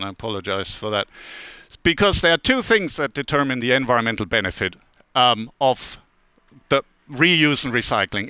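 A man's voice: medium pitch, bright, forceful tone, smooth, no echo. A man in his forties giving a casual academic talk at a conference lectern, with many fillers and restarts and wry asides. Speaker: conference speaker. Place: conference hall, standing at a lectern.

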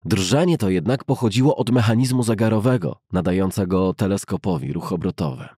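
Low, husky male audiobook narrator. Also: mellow, dry recording, clean studio sound. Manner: measured, formal storytelling. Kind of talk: scripted literary narration of a novel.

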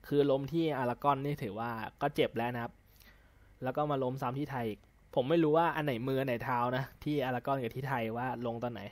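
A man's voice: medium pitch, steady tone, quick pace, no room sound. Chatty man commentating a racing game. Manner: chatty, exclaims during racing action. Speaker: gameplay commentator. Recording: voice over game audio with engine noise.

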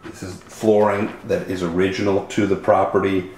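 With a low, flat, slightly mellow voice at a moderate pace, a man inspects an empty townhouse as a realtor, giving curt, critical commentary on the spot. The recording, made on a handheld camera mic, has echoey rooms and faint background noise.

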